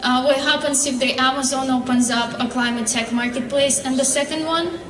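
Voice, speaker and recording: Startup founder, woman, high voice, earnest pitch with frequent pauses and fillers, heard from afar. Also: steady tone, a crowd in the background. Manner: earnest, halting with fillers and restarts. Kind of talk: pitch presentation and Q&A. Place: convention hall stage. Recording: echoey hall, distant mic.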